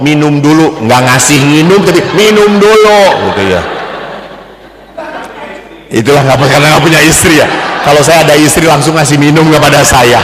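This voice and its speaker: A male Catholic priest giving a seminar sermon, telling lively stories and acting out the people in them. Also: mid-range voice, noisy background. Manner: lively storytelling, acts out quoted voices. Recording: echoey hall.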